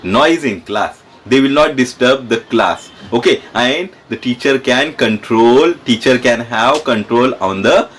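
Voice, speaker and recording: A man's voice: mid-range voice, a little slow, few pauses, fairly bright tone, a little hiss or hum. A man with an Indian accent teaching a history lesson, explaining step by step, repeating phrases and often checking in with his students. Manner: repetitive, asks questions and checks in with students.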